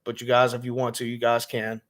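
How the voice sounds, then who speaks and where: A man who is hoarse and raspy, hosting a laid-back gaming vlog livestream with lots of ums, talking to viewers as man and bro. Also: mid-range voice, completely flat delivery, brisk, fairly bright tone. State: hoarse, lost voice. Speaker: gaming vlogger host. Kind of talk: casual livestream chat.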